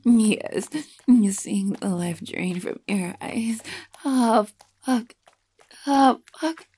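Woman playing a breathy, whispering life-draining temptress. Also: on the high side, very slow, a little mellow, full character voice. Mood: seductive, domineering. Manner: breathy, whispered, domineering teasing. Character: predatory seductive female life-draining creature. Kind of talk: erotic audio roleplay.

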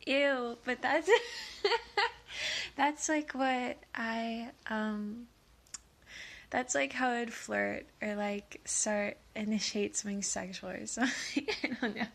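A woman's voice: a little high, creaky. Nervous, stammering woman, sniffly voice. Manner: nervous, halting, stammering with many fillers; drops into soft whispers at times. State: sniffly from allergies. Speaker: audio creator. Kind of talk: rambling casual monologue.

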